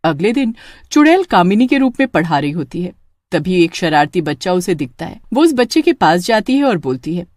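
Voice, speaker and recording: A woman narrating an animated horror story in a steady, plain storytelling voice. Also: lowish voice, moderate pace, no room sound, clean studio sound.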